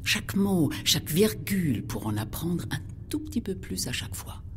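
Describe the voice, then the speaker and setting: A woman's voice: sing-song, moderate pace. A woman playing an inquisitive, wondering scholar from a far-future world in a scripted science-fiction audio drama. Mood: awed, excited. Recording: rumbling noise behind the voice.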